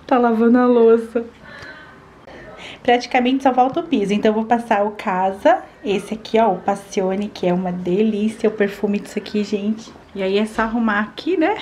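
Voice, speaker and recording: Chatty Brazilian woman, bright higher voice. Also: a little hiss or hum. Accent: Brazilian Portuguese. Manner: chatty and upbeat, often addressing viewers directly. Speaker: vlogger. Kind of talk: casual home vlog, showing chores. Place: small apartment bedroom and bathroom indoors. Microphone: handheld wide-angle camera mic.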